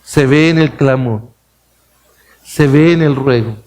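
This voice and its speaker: A man's voice: slow pace, darkish tone. A man preaching a sermon, speaking straight to his listeners with rhetorical questions and acting out pleading voices. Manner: acts out pleading voices, rising high for cries; addresses listeners directly, asks rhetorical questions. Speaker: pastor.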